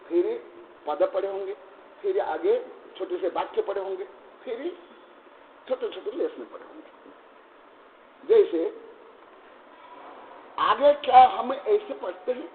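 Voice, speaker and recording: A man with a high voice leads a scripture class, slowly chanting commentary and then explaining in quick, conversational speech full of questions to his listeners. The sound is thin and phone-like, with a strong echo around him. Faint noise sits underneath. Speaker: Jain monk teaching scripture. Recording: echoey, tinny lo-fi hall recording.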